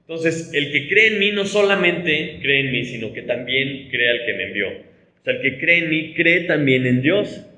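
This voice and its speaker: A man's voice: on the high side, lively intonation, normal speed, bright, forceful tone, reverberant, poor audio. A man from Mexico with a Mexican Spanish accent, a pastor teaching a conversational Bible study, explaining with rhetorical tags and frequent restarts.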